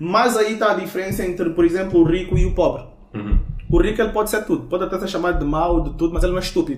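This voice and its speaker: This man's voice sits high for a man, with ordinary pitch variation. He talks at a very fast pace over noticeable background noise. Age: young. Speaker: podcast host, investment mentor. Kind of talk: casual interview chat.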